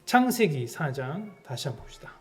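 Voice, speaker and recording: A man preaching a sermon in church, with lively rises and slow, dramatic quotations. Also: on the high side. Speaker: pastor.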